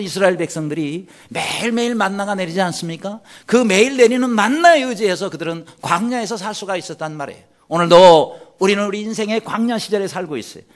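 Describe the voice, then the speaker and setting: Male pastor preaching, high lively voice, asks the congregation questions. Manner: acts out anguished quoted pleas in a raised voice. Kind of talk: sermon.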